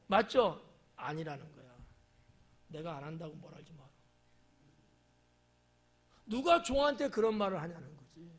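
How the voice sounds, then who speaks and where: Male pastor, high-pitched, talks to the pews like a conversation, playful asides, drops into little acted voices. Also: expressive, normal speed, long pauses, a bit bright, breathy edge. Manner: conversational preaching, asking the congregation questions; acts out quoted lines in shifting voices. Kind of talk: sermon. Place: church at a Wednesday evening service.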